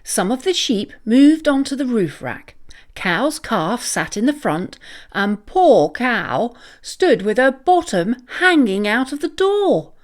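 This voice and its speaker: A woman reading a children's story aloud as an expressive, deliberate, sing-song narrator. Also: fairly high pitch. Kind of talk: animated scripted read-aloud narration for children.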